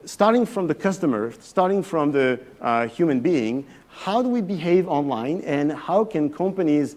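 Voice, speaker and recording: A man's voice: on the high side, animated, moderate pace, a little mellow. Hesitant French man giving a talk. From France. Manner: chatty and hesitant, often restarting phrases. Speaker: guest lecturer, professor. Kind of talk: evening talk to a live audience.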